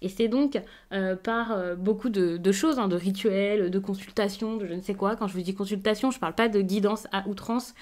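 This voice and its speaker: Woman, tarot reader, soft reassuring delivery, hesitant fillers, mid-pitched. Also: fairly even intonation, normal speed, hardly any pauses. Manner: gentle, reassuring, with frequent hesitations. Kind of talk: casual tarot reading to camera.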